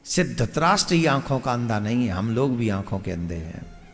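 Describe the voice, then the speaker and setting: A man's voice: mid-range voice, sing-song, a little fast. A man giving a devotional discourse as a Hindu preacher. He tells stories dramatically, acts out family scenes and keeps quizzing his listeners. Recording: reverberant hall with faint music.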